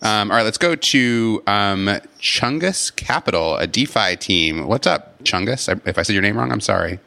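A man's voice: lowish voice, expressive, moderate pace, gravelly, sharp tone. A man hosting a podcast and moderating callers, talking loosely with frequent restarts. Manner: loose, stammering, restarts often. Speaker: podcast host. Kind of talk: live audio-room moderation.

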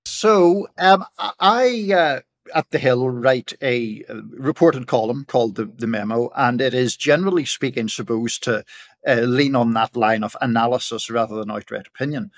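A man with a Northern Irish accent weighs in as a political columnist on a reporters' panel. His voice has a gravelly, creaky edge. He talks in a measured, analytical way and often restarts his sentences mid-thought. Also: medium pitch. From Northern Ireland. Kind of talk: panel discussion commentary.

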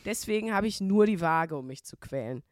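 A woman's voice: medium pitch, no echo, studio quality. Casual podcast woman telling stories. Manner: storytelling, mimics callers in a slow flat voice. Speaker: podcast co-host. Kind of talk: casual chat.

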